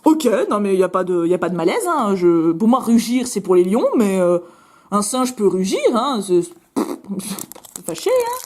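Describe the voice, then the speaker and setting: Here a chatty French woman runs a card-opening video, her voice lively and bubbly. She jokes at her own expense and drops quick asides while casually talking through the pack.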